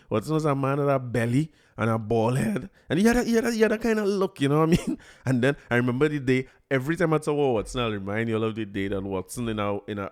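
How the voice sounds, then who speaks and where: A Trinidadian man hosts his own podcast in a loose, chatty way. He jokes, laughs often and stumbles over repeated words, and his voice sits at an ordinary middle pitch. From Trinidad and Tobago. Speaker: podcast host. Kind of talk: casual solo commentary.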